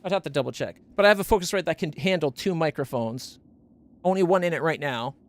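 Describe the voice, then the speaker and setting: Talking fast with lively intonation, a man chats casually about gear on his home game stream, right up on a studio condenser mic. He says his fairly high voice isn't naturally deep, and he tends to ramble, loop back to correct himself, and trip over names.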